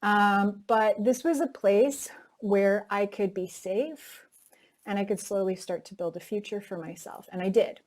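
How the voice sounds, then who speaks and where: A woman's voice: mid-range voice, steady tone, unhurried, darkish tone. Candid woman telling her story. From North America. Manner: candid and reflective, with frequent "like" and "you know". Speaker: actress interviewee. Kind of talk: personal storytelling interview.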